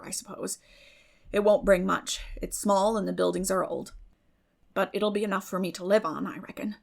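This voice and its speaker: A weary older country woman, played by a female audiobook reader, with a creaky voice at a middling pitch. She talks plainly and sorrowfully, bitter and resigned to her lot in this storybook drama.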